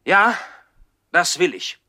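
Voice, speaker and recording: A man's voice: high voice, very animated, slow pace, pushed and bright, dry recording, studio quality, full character voice. An actor playing a proud, defiant older brother, a self-assured and commanding boy in a 1960s radio play. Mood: determined.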